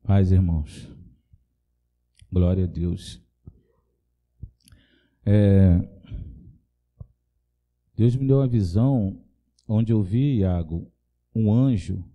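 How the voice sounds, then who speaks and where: A man speaking slowly and deliberately as he shares a vision with the congregation. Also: fairly low pitch, phone-quality sound. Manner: slow, measured prophetic speech. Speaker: church member sharing a vision.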